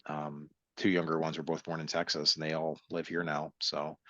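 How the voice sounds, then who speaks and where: A man's voice: a bass voice, monotone, moderate pace, a bit bright, no echo. A middle-aged man with a mixed American, English and Irish accent, telling his story in a casual interview, rambling and correcting himself with wry humor. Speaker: interview guest. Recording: dull dry sound.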